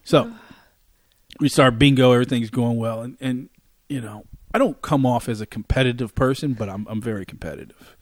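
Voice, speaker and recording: A middle-aged man telling a story in casual chat, loud and animated, laughing often as he goes. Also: medium pitch, brisk, dry recording, clean studio sound.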